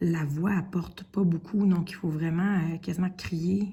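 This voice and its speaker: Noticeable background noise surrounds a woman with a Quebec accent and a fairly low pitch. She talks at a fairly slow pace with fairly even intonation. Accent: Québécois French. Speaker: diamond painting YouTuber and substitute teacher. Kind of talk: casual vlog chat. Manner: hesitant, many fillers.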